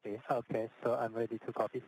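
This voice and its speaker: A man's voice: mid-range voice, level tone, fast, darkish tone. A man, an astronaut, answering mission control in brief, hesitant replies over a crackly space-to-ground radio downlink. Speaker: astronaut on the station.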